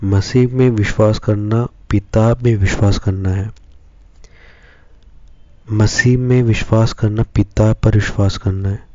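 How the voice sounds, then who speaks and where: A man reading Scripture and preaching as a pastor, slow and measured in short phrases. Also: on the low side, fairly even intonation, warm tone, dry recording, highs cut off. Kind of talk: devotional Bible reading and sermon.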